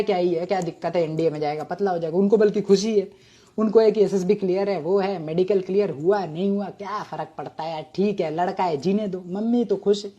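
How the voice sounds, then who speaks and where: A man in his thirties who retired from the army and hails from Bengal narrates his own experiences casually, chatty and full of self-mocking humor. His voice is high and mellow, and the recording's highs are cut off.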